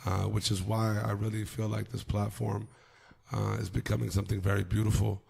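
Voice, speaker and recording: A man's voice: on the low side, flat delivery, brisk, creaky, darkish tone, husky. A man hosting a casual podcast interview, earnest and swearing freely, with hype-man energy. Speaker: podcast host.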